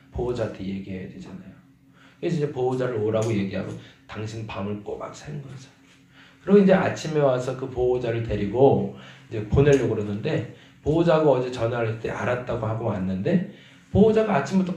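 A man's voice: medium pitch, dark tone. A man preaching at a dawn prayer meeting as pastor. He tells a story in a conversational way and acts out the voices of the people in it. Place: church sanctuary. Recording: roomy church echo.

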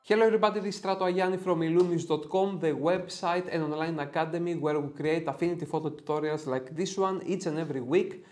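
A man's voice: a little high, steady tone, fast talker, a little mellow, soft background music. A man in his thirties with a Greek accent, teaching a photo editing tutorial in a chatty, upbeat way from a small home studio. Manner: upbeat and chatty, jokes about himself. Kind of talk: software tutorial with casual asides. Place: small home studio room with red lighting.

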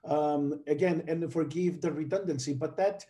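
A middle-aged man from the Dominican Republic presents to an online conference over a video call. His voice sits a little high for a man but sounds mellow and warm, and he speaks haltingly, full of fillers and restarts. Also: steady tone. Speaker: conference panelist.

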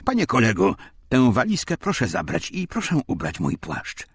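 A man voicing a composed, husky wartime diplomat. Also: mid-range voice, huge pitch swings, normal speed, no echo, voice pushed up. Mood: formal, courteous. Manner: formal, courteous, commanding.

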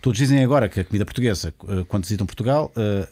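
A man's voice: on the low side, very fast, dark tone, breathy edge. A man in his forties hosting a podcast, chatting in a chummy, slangy way in a studio on a headset mic. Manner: chummy, slangy, calls the guest "mano". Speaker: podcast host. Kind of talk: casual podcast conversation. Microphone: studio mic with headphones.

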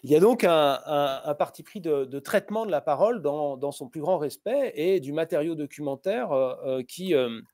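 A middle-aged man interviews a writer over a webcam, his voice sitting a little high for a man. He hesitates constantly, filling gaps with drawn-out filler sounds. The sound is dry and close, with no room around it. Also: animated, darkish tone, no room sound. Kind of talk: literary interview on a video call. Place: room with posters behind. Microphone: webcam on a video call.

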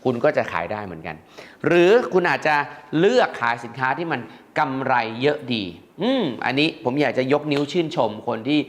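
A man's voice: mid-range voice, very animated, fairly quick, hardly any pauses. A middle-aged man hosting an educational program, explaining point by point to viewers in a chatty, polite way. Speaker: host.

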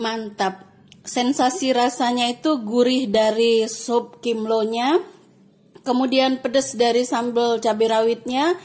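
A woman talks through her home cooking video as host. Her voice sits high and she takes her time, guiding each step in a chatty, relaxed tutorial tone. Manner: chatty, step-by-step, adds soft "ya" and "nah". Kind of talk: casual cooking tutorial voice-over.

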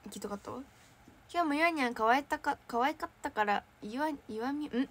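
Young female idol, slightly high voice, bubbly and giggly, casual livestream chat. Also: fast. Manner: bubbly, chatty, frequent giggles. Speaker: idol trainee hosting a fan livestream. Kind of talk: casual livestream chat reading viewer comments.

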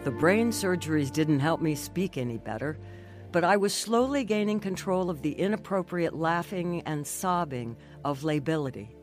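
An actress playing an earnest, emotional middle-aged Christian wife in a radio drama. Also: female voice, deep voice, normal speed, music in the background, natural voice. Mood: earnest, reflective. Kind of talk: radio drama narration and dialogue.

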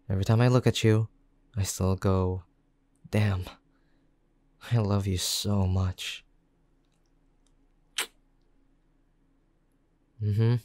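A caring young boyfriend played by a man in intimate roleplay audio. His voice is fairly low, mellow and soft. He talks slowly and affectionately, with gentle teasing aimed at his girlfriend. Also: no room sound, close to an everyday voice. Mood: loving.

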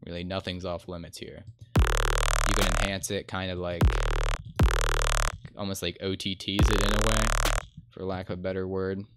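A man in his twenties gives a laid-back, colloquial music production tutorial over screen share from a computer desk indoors, with loud electronic synth sounds behind him. His voice sits low with little pitch movement, a moderate pace, and long pauses.

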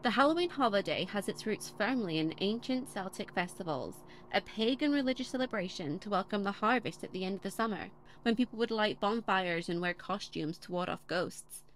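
A woman's voice: medium pitch, expressive, fairly quick, a little hiss or hum, low-quality recording. A woman playing a chatty, wry podcast host who dismisses callers' suggestions, in an audio play.

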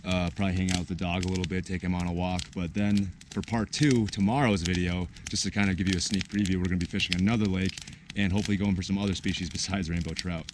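Young man, deep voice, upbeat fishing vlog. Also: fast talker, background noise. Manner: excited exclamations while landing fish. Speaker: fishing vlogger. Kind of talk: casual vlog narration. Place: outdoors by a mountain lake. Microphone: action camera.

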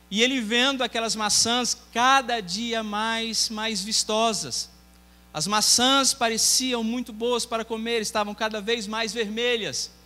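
A Brazilian evangelist preaches in a long-reverb church hall, his voice high and bright. He tells a story to the congregation and voices its characters as he goes. A mains hum runs under the recording. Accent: Brazilian Portuguese. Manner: storytelling, voicing dialogue within the tale. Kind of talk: sermon. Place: church sanctuary.

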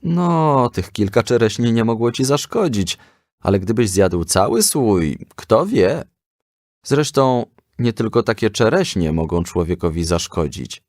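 A man voicing a calm, firm, moralizing mother in a children's story. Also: fairly low pitch, measured pace, no echo, clean studio sound, pitched above the performer's own voice. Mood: reassuring.

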